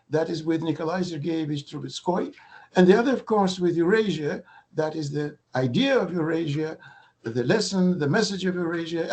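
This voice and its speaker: Older male academic lecturer, hoarse, high-pitched, halting delivery over a video call. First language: Russian. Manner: halting, with many fillers and restarts. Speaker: guest lecturer.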